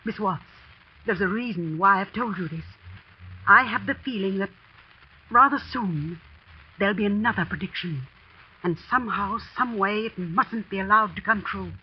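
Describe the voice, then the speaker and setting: An actress playing a grave housekeeper who speaks in a hushed, earnest, warning way, in 1940s radio acting style. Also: female voice, mid-range voice, moderate pace, slightly rough. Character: grave older woman housekeeper, confiding. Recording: dull 1940s radio broadcast with faint hiss.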